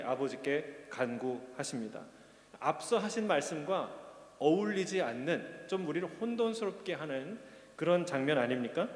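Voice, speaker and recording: A male pastor preaching a sermon, earnest and questioning, rising to emphatic peaks. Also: fairly high pitch. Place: church sanctuary. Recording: echoey church hall.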